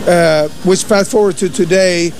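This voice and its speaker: A DJ being interviewed at a festival, speaking in a relaxed, grateful way with lots of fillers. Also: male voice, high voice, normal speed. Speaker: DJ and producer, interview guest. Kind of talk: casual interview chat. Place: festival radio booth.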